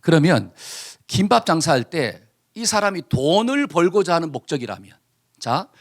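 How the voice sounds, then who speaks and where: A male pastor preaching a sermon, leading the congregation in reading verses aloud and acting out the dialogue in a casual, animated way. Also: on the high side, moderate pace. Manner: animated, colloquial, acts out dialogue. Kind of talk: sermon with call-and-response scripture reading.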